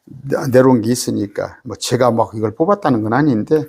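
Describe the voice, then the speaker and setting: A man's voice: medium pitch, fairly quick, creaky, darkish tone, breathy edge. A male pastor with a Jeolla accent, preaching an emphatic, folksy Bible study sermon full of rhetorical questions. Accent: Jeolla Korean.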